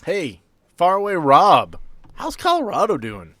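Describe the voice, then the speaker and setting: A man's voice: sits high, wildly swooping pitch, unhurried, fairly bright tone. A man hosting a tabletop game podcast as game master, chatting casually with playful, teasing banter.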